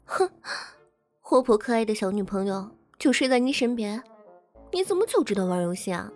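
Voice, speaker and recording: A woman's voice: a little high, animated, normal speed, soft background music, natural voice. A woman playing a bratty teasing girlfriend. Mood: teasing scold. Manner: coy and teasing, whiny pouting. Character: playful, bratty young girlfriend, teasing and pouting. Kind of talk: audio role-play drama.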